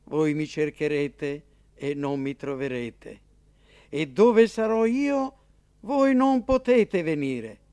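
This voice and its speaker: A man voicing an earnest, impassioned male teacher, declaiming slowly and emphatically. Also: on the high side, darkish tone, dry recording. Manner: emphatic, declaiming, slow and ringing.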